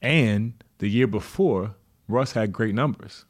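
Man, 30s, podcast host, lowish voice, playful devil's advocate in loose sports talk. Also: slow. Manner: playful, argues the other side. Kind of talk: casual sports chat.

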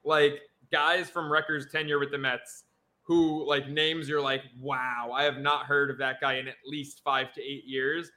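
A man co-hosting a casual sports podcast, excitable and jokey. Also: mid-range voice, measured pace. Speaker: podcast co-host.

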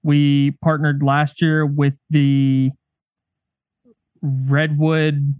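A man guesting on a sports podcast, chatting casually with dry, deadpan teasing. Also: fairly high pitch, drawn-out words, clear, resonant tone, no room sound. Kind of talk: casual chat.

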